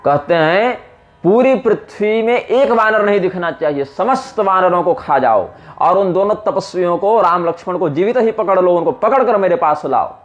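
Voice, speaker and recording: A man giving a religious scripture discourse, chanting verses slowly and then explaining them in lively speech. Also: high-pitched. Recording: dull lo-fi recording.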